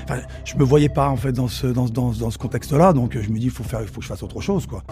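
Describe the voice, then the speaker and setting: A middle-aged man with a Parisian suburban accent, a chef recalling his youth in halting casual talk full of fillers and restarts. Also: medium pitch, mellow, soft background music. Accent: Parisian suburban French. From Paris suburbs, France. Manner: hesitant, many fillers and restarts. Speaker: chef interviewed about his career. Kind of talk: casual spoken recollection.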